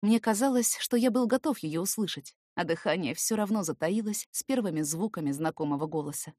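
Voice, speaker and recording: A woman reading a first-person story as an expressive, scripted audiobook narration. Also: on the low side, a little fast, dry recording, clean studio sound.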